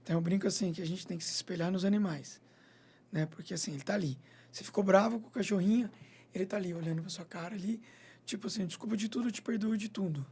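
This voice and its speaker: Um homem veterinário dá entrevista numa rádio em tom de bate-papo. Fala depressa, quase atropelando as palavras, com um timbre escuro e suave e um leve rouco. Conta casos encenando falas e pergunta o tempo todo "entendeu?". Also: male voice, sits high, quick pace, a little mellow, breathy edge. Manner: chatty, repeats "entendeu?" and "né?", acts out little scenes. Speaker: veterinarian and clinic owner. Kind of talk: radio interview guest, casual chat.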